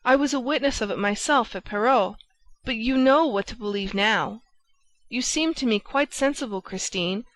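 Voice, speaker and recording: A woman's voice: medium pitch, steady tone, normal speed, a bit bright, lightly acted, rough recording. A woman reading the lines of a jealous young man, with impassioned, sarcastic outbursts. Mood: pleading.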